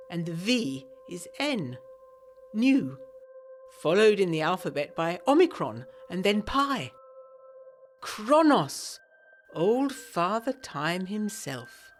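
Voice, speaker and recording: A woman's voice: lowish voice, slight background noise. A woman playing an eager, self-pleased 1920s lady narrating a gothic audio drama in genteel, bookish diction. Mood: excited, intrigued.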